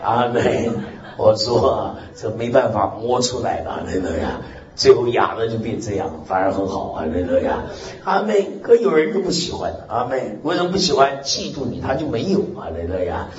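Man, pastor, loud strong voice, lively sweeping pitch, roomy muffled sound. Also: normal speed, a crowd in the background. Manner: animated preaching punctuated by frequent "amen" and "hallelujah", with laughter. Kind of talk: lively Mandarin sermon. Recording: roomy, muffled recording with faint hiss.

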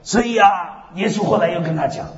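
A man preaching a sermon with lively storytelling, repeating "hallelujah, amen" again and again, swinging between loud and soft. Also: high voice, a little fast. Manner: peppers speech with "hallelujah, amen" refrains. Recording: echoey hall, dull lo-fi sound.

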